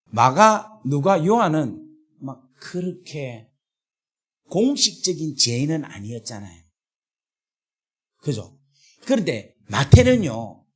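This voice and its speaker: A man with a Gyeongsang accent preaching a revival sermon at a prayer retreat, earthy and colloquial, at times breaking into shouts. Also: high voice, husky. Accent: Gyeongsang Korean. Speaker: pastor.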